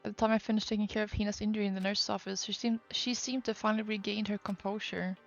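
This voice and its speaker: A woman's voice: mid-range voice, little pitch movement, quick pace, creaky, highs cut off, faint music behind. A woman streamer reading a game's story aloud live, narrating and doing all the parts.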